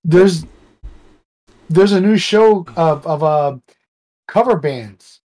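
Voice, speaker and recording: A man co-hosting a podcast, chatting casually, halting and repeating words as he searches for what to say. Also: on the high side, mellow. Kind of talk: casual chat.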